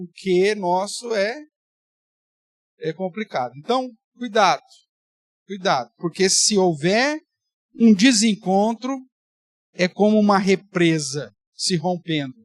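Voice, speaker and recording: A man's voice: high voice, animated, measured pace, no echo. Man, pastor, conversational Bible study, playful exaggeration, dry close sound. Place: church.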